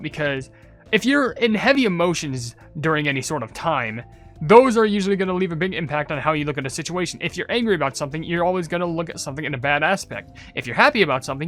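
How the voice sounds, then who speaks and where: High-voiced young man commenting casually. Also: a bit bright. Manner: rambling, thinking aloud. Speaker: gaming video creator.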